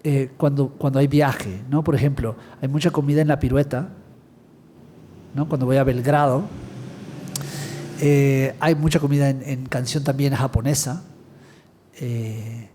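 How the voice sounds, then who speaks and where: A man from Guatemala speaking as a writer on a panel, calm and reflective, often closing with short tag questions. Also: medium pitch, unhurried, pauses often, a little hiss or hum. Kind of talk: reflective conversation at a cultural talk. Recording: long hall reverb.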